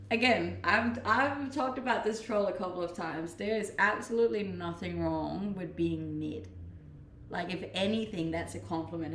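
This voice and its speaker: This is a young Danish-accented woman from Denmark, casually chatting with her viewers and answering their questions while laughing easily. Her voice is medium in pitch, and the echoey room of the rented house she's in carries slight background noise.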